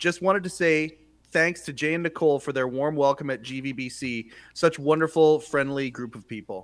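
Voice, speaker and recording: With a Canadian accent, a man has an ordinary speaking voice, fairly high in pitch with ordinary pitch variation. He talks at a fairly quick pace, and his loudness swings widely. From Canada. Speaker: remote contributor and friend of the show. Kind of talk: casual chat. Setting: remote video link.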